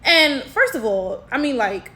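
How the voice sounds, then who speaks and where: A woman's voice: high voice, very animated, bright, forceful tone. American woman explaining things to her viewers. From United States. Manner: explains points slowly, checks in with "right?". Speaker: commentary host. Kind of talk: casual commentary to camera.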